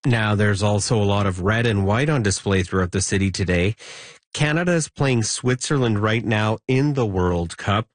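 Low-voiced man anchoring the news. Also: dry recording. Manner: steady, measured anchor delivery. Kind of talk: live newscast.

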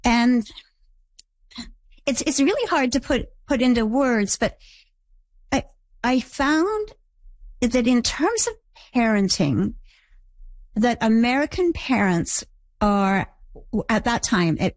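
An older woman from Canada giving reflective, halting interview answers about a show she created. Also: a little high, very animated, no room sound. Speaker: guest, creator of a teen drama.

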